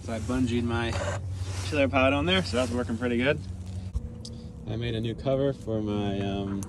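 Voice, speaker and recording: A sailing vlogger in his thirties narrates casually from a small sailboat, holding his phone camera at arm's length outdoors. His mid-range voice moves at a normal speed as he thinks aloud in a relaxed, rambling way, drifting from topic to topic. Wind and water noise fill the recording.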